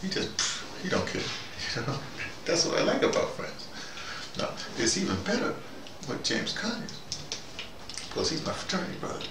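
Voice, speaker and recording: A man's voice: fairly high pitch, normal speed, voice pushed up. A man playing an easygoing, opinionated intellectual character, rambling and digressing animatedly in a casual monologue. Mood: chatty, fond. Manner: digressive, animated, argumentative, punctuated with "you know". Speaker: vlogger in character. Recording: distant mic, echoey room, loud background noise.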